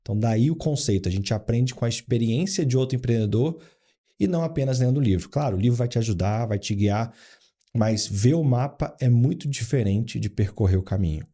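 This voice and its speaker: A board adviser and founder in his forties from Rio de Janeiro, Brazil, tells business stories as a guest in a casual interview. His mid-range voice is expressive, brisk and warm, and his storytelling is full of anecdotes and acted-out quotes.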